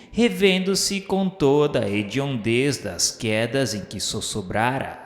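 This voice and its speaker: A Brazilian man reading a novel as grave, declamatory, formal dramatic narration. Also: medium pitch. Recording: roomy long reverb with music.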